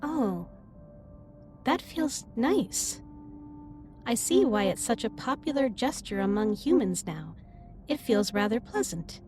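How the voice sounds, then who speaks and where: A woman plays a female alien starship captain in a sci-fi roleplay, gentle and earnest. Her voice sits fairly high and moves in very lively swings of pitch. She words things formally and precisely, a little stiffly, as she talks directly to the listener. Faint music runs underneath. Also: slow pace, long pauses. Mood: tender, sincere. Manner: formal, precise, slightly stilted wording. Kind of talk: scripted roleplay audio, addressed to the listener.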